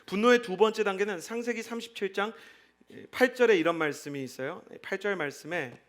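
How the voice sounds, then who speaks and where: A man's voice: high-pitched, brisk, a bit bright. A male pastor giving a sermon to young adults in a conversational way, often asking the congregation questions and leading them in reading scripture together.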